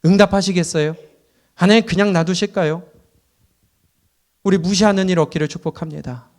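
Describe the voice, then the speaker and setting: A middle-aged male pastor preaching a sermon in a church, firing rhetorical questions at the congregation and swinging between loud and quiet. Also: sits high, steady tone, fairly quick. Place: church sanctuary.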